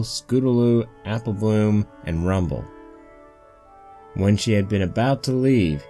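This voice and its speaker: Deep, dark-voiced man narrating a story. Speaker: narrator of a fan fiction reading.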